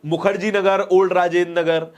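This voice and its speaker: A man's voice: high voice, level tone, normal speed. A man presenting political news commentary, explaining things emphatically and repeating phrases for stress.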